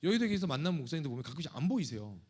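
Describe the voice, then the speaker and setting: A man's voice: fairly high pitch, big pitch swings, racing, slightly rough. A male pastor preaching a sermon in a conversational, joking and confessional manner. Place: church sanctuary.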